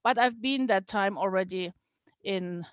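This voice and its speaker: A woman's voice: medium pitch, unhurried, no echo, highs cut off. A middle-aged woman from East Germany, German her first language, giving an earnest online business talk over a video call, with small slips in her English. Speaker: guest speaker.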